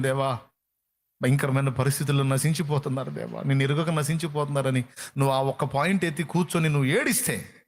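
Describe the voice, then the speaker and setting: A man preaching a sermon with fervor, repeating phrases for emphasis. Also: mid-range voice. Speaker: pastor.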